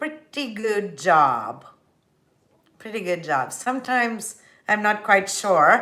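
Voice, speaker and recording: At a very slow pace, a woman speaks in a bright, sharp tone at a medium pitch. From Romania. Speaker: cooking channel host. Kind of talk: live stream chat while cooking. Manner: chatty, warm.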